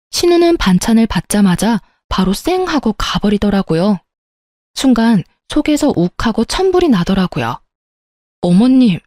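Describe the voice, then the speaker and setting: A woman's voice: fairly high pitch, a little mellow, dry recording, clean studio sound. Plaintive woman narrating a story. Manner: plaintive, aggrieved. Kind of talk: scripted first-person story narration.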